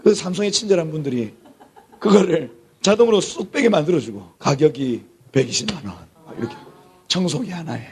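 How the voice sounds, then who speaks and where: Here a middle-aged man, a pastor, gives an emphatic sermon-like lecture in a theology class. His voice is on the high side and fairly quick, with lively intonation, a darkish tone, and a breathy edge, and he repeats key words and falls to near-whispers for effect.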